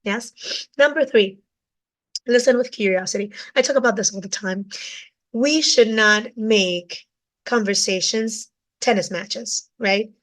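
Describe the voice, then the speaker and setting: A woman with a cold and a raspy voice, teaching communication from her office. She ends her points with "right?" tag questions. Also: fairly high pitch, a little slow, low-quality recording. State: has a cold. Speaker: communication coach. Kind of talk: direct-to-camera teaching talk.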